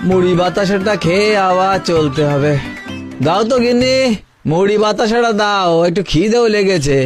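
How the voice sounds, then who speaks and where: A man's voice: high-pitched, moderate pace, natural voice. A man voicing a worried village farmer who frets and stammers in exasperation, in a cartoon. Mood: exasperated. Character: worried middle-aged village farmer, fretful. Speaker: farmer husband. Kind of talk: cartoon voice acting. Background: background music.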